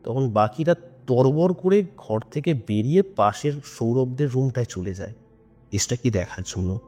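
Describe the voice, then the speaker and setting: A man with a warm, mid-range voice recounts a story at a moderate pace, animated and suspenseful yet informal, as if on a ghost story podcast. Background music plays under his voice.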